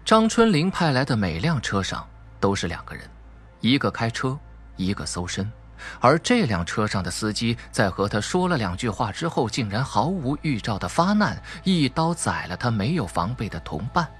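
A man's voice: mid-range voice, very animated, moderate pace, soft background music. A man narrating a suspense audiobook in a dramatic, emphatic storytelling manner.

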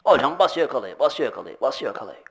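A middle-aged man giving an informal sermon as a religious teacher, telling lively anecdotes, acting out voices and laughing often. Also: mid-range voice, quick pace, vocal fry.

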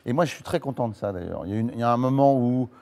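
A man in his forties, a guest on a TV interview, talking casually and haltingly as he restarts his phrases. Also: mid-range voice, animated, gravelly, warm tone. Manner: halting, restarts phrases, acts out little quotes. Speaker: talk show guest. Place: TV studio.

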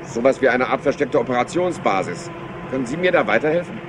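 Man acting as polite rumpled inspector, mid-pitched, hesitant, mock-modest, radio play, noisy background. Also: expressive, fast talker, lightly acted. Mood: musing, chatty. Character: rumpled, polite, apologetic male police inspector, deceptively scatterbrained.

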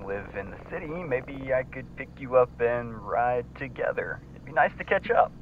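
A man's voice: medium pitch, animated, moderate pace, narrow, tinny audio, slight background noise, close to an everyday voice. An actor playing a friendly male friend calling on the phone in an easygoing, slightly shy way.

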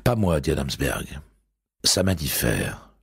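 A dreamy, mild-mannered police commissioner from an audiobook, voiced by a man. He speaks in an unhurried, musing way, with a deep, raspy voice. The sound is close and dry. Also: sing-song, no room sound, full character voice.

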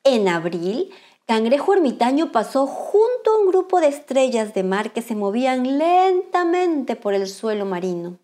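A woman reading a picture book aloud to children in a bright, sing-song, expressive manner. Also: high voice, unhurried. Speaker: children's storyteller, channel host.

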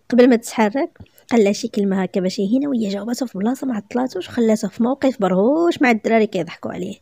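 Brisk Moroccan woman storyteller. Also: fairly high pitch, animated, gravelly, warm tone, no room sound. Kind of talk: reading a romance story aloud.

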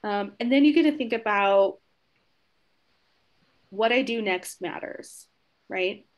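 A woman speaks in a chatty, encouraging way as she leads a training webinar for teachers. She keeps checking in with her listeners and now and then acts out quick exchanges with a child. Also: mid-range voice. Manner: warm, encouraging, tag questions like "right?". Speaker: webinar presenter, trainer of educators.

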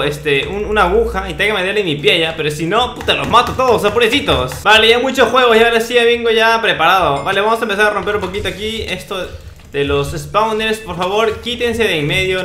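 A man's voice: high-pitched, bright, forceful tone. A young man with a Peruvian Spanish accent giving casual, cocky, mock-boastful commentary on a video game. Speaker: gaming video host. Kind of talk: casual Minecraft gameplay commentary. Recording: roomy sound with faint background noise.

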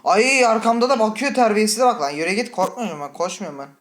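A woman playing a horror game and commenting with a Turkish accent, chatty and full of swearing, breaking into startled high shrieks. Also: fast, a little hiss or hum. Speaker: gaming channel host. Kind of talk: let's play commentary. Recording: faint game music behind.

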